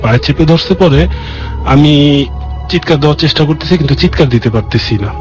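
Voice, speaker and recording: A man calling into a radio show to tell a personal ghost story, in an earnest, halting way. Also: fairly high pitch, darkish tone. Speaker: caller. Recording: radio broadcast with faint music.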